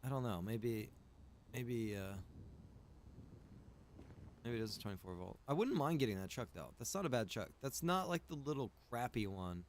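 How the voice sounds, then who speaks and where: A man's voice: mid-range voice, animated, normal speed, pauses often, a little hiss or hum. A man casually chatting through a gameplay livestream, musing aloud and swearing easily. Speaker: game streamer.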